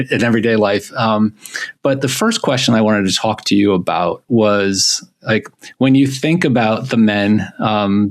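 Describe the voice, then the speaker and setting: A man hosting a podcast, introducing and moderating a panel conversation. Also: lowish voice.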